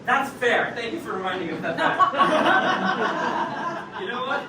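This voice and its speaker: A man with a fairly high voice trades playful, quick quips in a live improv scene. He is heard from afar on a stage with echo and loud background noise. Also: big pitch swings. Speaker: improv performer. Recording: echoey stage from far off, noisy.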